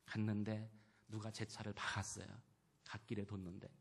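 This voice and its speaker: A man preaching a sermon in church, moving between loud declarations and quiet personal storytelling. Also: lowish voice, level tone, moderate pace, creaky. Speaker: pastor. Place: church sanctuary.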